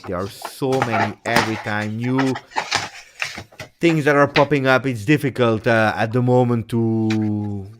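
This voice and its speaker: A man hosting a casual live stream, talking in an animated way with many fillers and repeated words. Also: lowish voice, background noise. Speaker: host of a fan channel.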